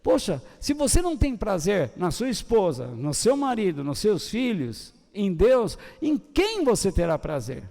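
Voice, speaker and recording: An older man with a Brazilian Portuguese accent preaching a sermon, swinging between loud high bursts and soft low trailing ends. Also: wildly swooping pitch, a little slow, gravelly, few pauses. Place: church hall. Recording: long church hall reverb.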